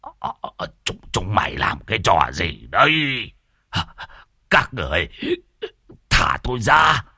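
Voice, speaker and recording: A man's voice: a bass voice, a little slow, long pauses, fairly bright tone, breathy edge, no echo, clean studio sound, voice pushed down, exaggerated voice. Man doing a stammering old village exorcist. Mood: whimpering. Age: older. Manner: stammering, whimpering. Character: old male exorcist, jovial then beaten and whimpering.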